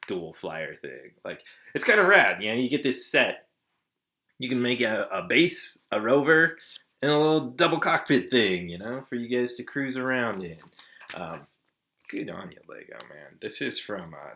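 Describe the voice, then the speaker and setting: A man's voice: lowish voice, sharp tone. A man in his forties from Southern California, chatting casually to camera as a vlog host, laid-back and swearing often with lots of "like" and "dude". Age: 40s.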